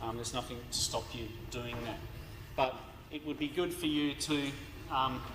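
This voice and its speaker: A man giving a university law lecture in a hoarse, tired voice, speaking haltingly with many fillers and restarts. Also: medium pitch, steady tone. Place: large lecture hall. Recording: echoey lecture hall recording with background noise.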